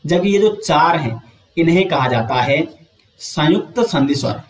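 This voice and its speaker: A man teaching an exam coaching lesson, explaining step by step, asking and answering his own questions, and drawing out sounds slowly to show them. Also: on the high side, animated, reverberant.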